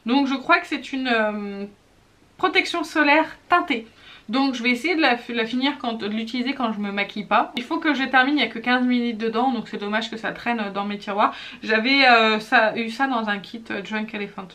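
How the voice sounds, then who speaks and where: A woman's voice: fairly high pitch, moderate pace, bright, forceful tone. Woman, 30s, casual beauty vlogger; chatty, self-mocking, raised voice. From France. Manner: chatty and self-teasing, many fillers and restarts. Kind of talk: casual product review vlog.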